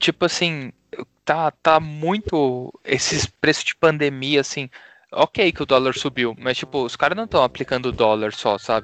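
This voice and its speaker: A man with an unremarkable speaking voice talks at a fairly slow pace, his pitch fairly high for a man with ordinary variation, in a dry, close sound with no echo. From Brazil. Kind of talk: casual chat.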